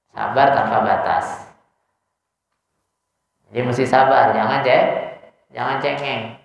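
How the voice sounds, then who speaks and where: A man's voice: medium pitch, gravelly. Male preacher, casual and teasing, recorded with heavy echo and a dull sound. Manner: casual, teasing students with rhetorical questions. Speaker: religious teacher. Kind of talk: informal Islamic study lecture. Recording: echoey dull hall recording.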